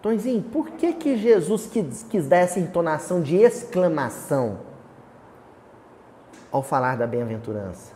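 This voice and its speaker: A Brazilian man leads a study group with a lively, swinging delivery, and his voice trails off into a long hall reverb. He keeps asking his listeners questions before answering them himself, and he recites quoted verses with a dramatic exclamation. A faint hiss sits under the recording. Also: fairly high pitch, moderate pace. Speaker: Bible study teacher. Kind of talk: teaching a small study group.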